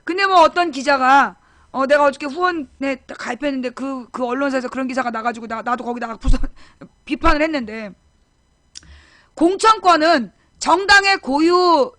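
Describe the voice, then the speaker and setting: Woman, middle-aged, high voice, bright, talk show host, rambling, self-correcting, close dry mic. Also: normal speed, no echo. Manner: rambling, self-correcting, talks directly to viewers. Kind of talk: casual live-stream political commentary.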